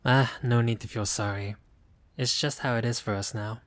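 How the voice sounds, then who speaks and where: A man's voice: mid-range voice, steady tone, moderate pace, a bit bright, close to an everyday voice. A man playing a friendly, bashful vampire in a roleplay audio, speaking in formal, polite, old-fashioned phrases with some hesitation. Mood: wistful, earnest. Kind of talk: intimate roleplay audio acting.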